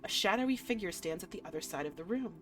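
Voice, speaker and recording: A woman reading a visual novel aloud as a game streamer, mixing expressive narration with casual, playful reactions. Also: fairly low pitch, fast talker. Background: faint music.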